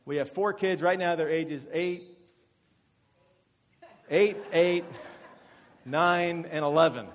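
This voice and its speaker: Guy in his 40s telling his church testimony, kinda high voice, lots of uh and restarts, big echoey hall. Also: takes it slowly, pauses often, a little hiss or hum. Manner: chatty and self-deprecating, with frequent fillers and restarts. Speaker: guest speaker at a church. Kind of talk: testimony talk to a congregation.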